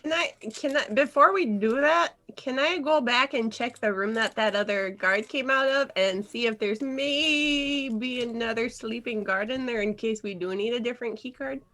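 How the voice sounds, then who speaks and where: A woman's voice: on the high side, normal speed, hardly any pauses, bright, forceful tone. A woman playing a tabletop game, eager and chatty. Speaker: player. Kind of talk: casual game chat.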